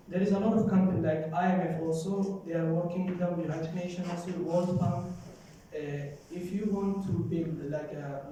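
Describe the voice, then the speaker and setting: A young man from Somalia asking long, halting questions at a forum Q&A, often repeating and rephrasing himself. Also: on the high side, dark tone, far from the mic, a little hiss or hum. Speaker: audience member asking questions. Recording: roomy hall, speaker off mic.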